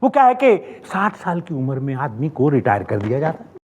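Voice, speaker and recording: An actor playing a sly senior police officer who teases with a drawl in a TV sitcom. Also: male voice, medium pitch, huge pitch swings, fairly quick, a little mellow, lo-fi sound. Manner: drawling, teasing. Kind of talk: TV sitcom acting.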